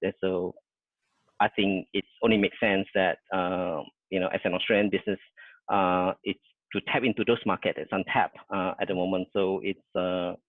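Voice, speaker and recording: A man from Indonesia, a business owner, answering interview questions in a halting, modest way with many fillers. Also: low voice, flat delivery, no echo, narrow, tinny audio.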